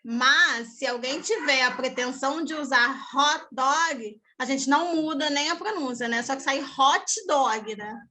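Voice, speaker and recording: High-pitched Brazilian woman teacher, chatty. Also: moderate pace, hardly any pauses, bright, forceful tone. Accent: Brazilian Portuguese. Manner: chatty, often adds tag questions. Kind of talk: casual talk on language and culture.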